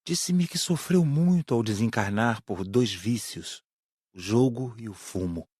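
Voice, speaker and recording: A man playing an earnest student spirit who is concerned for others, reading in a measured way for an audiobook. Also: medium pitch, expressive, darkish tone, slightly rough, no echo, studio quality.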